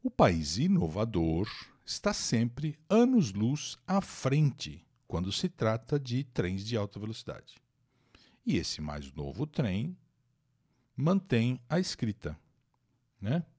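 A man's voice: mid-range voice, big pitch swings, slow pace, a little mellow, breathy edge. Chatty Brazilian man teaching English live. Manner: chatty, greets viewers by name, explains words and pronunciations. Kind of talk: live-streamed English lesson, reading and translating an article. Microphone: new microphone.

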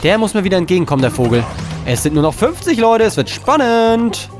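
Guy doing a let's play, frustrated, swears, tells himself to calm down, voice sits a bit high, faint game music behind. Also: fast talker. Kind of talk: live gameplay commentary. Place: indoors at a desk.

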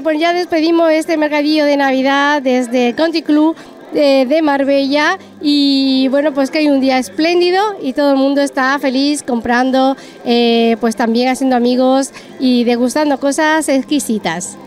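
A woman's voice: sits high, fairly even intonation, moderate pace, a little mellow. A middle-aged woman, chatting effusively as an on-location reporter doing interviews. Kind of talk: on-location event interviews and commentary. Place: busy hall at a Christmas market. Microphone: handheld reporter microphone. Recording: crowd chatter in busy hall.

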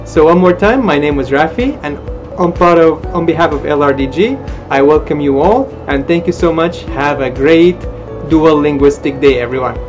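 A man in his thirties, native Armenian speaker, giving an expressive, informational talk to camera from a small room. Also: a little high, normal speed. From Middle East, Arabic-speaking country. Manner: lively, expressive, gestures with hands. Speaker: language school presenter. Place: small indoor room, plain wall. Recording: dull lo-fi webcam audio with music behind.

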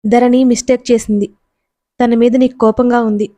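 A woman's voice: a little high, level tone, moderate pace, dark tone, no echo, natural voice. A woman voicing a teasing young adult male friend in a storybook, with playful banter.

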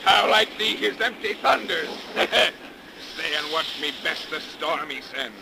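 An actor playing a defiant, blasphemous sea captain in 1930s radio melodrama, declaiming theatrically in archaic speech. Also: male voice, a little high, animated, takes it slowly, vocal fry, full character voice. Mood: scornful. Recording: noisy 1930s radio recording.

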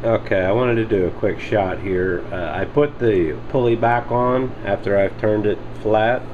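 A man with a low, deep voice talks plainly through his workshop steps, unhurried and practical. He is recorded on a handheld camera in a home shop, with a clear hum of machines and air behind him. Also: narrow, tinny audio. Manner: plain step-by-step explaining, unhurried. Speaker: hobby machinist reviewing a tool. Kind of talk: casual workshop demonstration. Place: home workshop with lathe and bench. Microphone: handheld camera mic, speaker off screen.

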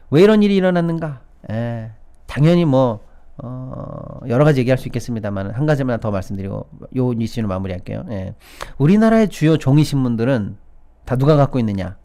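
Middle-aged male commentator, biting and sarcastic, with a lively, swooping delivery. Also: medium pitch. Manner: sarcastic, mocks officials in put-on quotes, frequent "예" and "여러분". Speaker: political-economy commentator. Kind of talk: opinionated solo commentary.

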